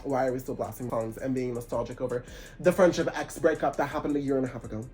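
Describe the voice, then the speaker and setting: A congested young man giving animated, preachy spiritual advice in a casual vlog, with sarcastic asides. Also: mid-range voice, fast, faint music behind. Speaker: vlogger.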